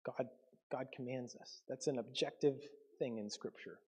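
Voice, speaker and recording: A man's voice: medium pitch, moderate pace, warm tone, slightly rough. A man from Canada preaching a conversational sermon to his congregation, with frequent ums and self-corrections. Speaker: pastor.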